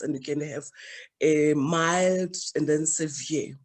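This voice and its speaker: This is a woman speaking with a South African accent. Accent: South African Setswana-accented English. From South Africa, Setswana-speaking. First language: Setswana. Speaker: psychologist. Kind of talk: lecture. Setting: video call.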